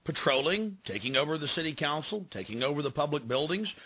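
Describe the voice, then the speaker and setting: An American man delivers impassioned political commentary as a documentary narrator. His voice is fairly high, gritty and forceful. He speaks emphatically, swinging widely in pitch and piling up rhetorical questions. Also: lively intonation, brisk, breathy edge.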